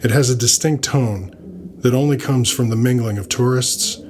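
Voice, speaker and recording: A man's voice: medium pitch, normal speed, darkish tone, slight background noise. A man narrating scripted urban fantasy fiction in the first person, with a dry, wry delivery.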